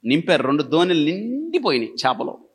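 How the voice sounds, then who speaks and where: A man's voice: on the high side, huge pitch swings, brisk, breathy edge. A male pastor preaching a sermon in short bursts, firing repeated questions at the congregation and telling everyday stories to make his point.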